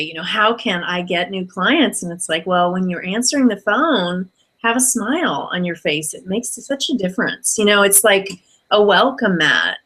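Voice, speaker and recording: A woman's voice: lowish voice, sharp tone, rough recording. A woman hosting an interview and coaching, affirming her guest in a friendly way with fillers. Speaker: host and business coach. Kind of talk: conversational interview.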